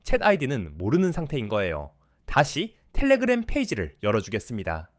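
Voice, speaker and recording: A man calmly narrating a step-by-step coding tutorial in polite, scripted instructions. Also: medium pitch, fairly quick, no echo, clean studio sound.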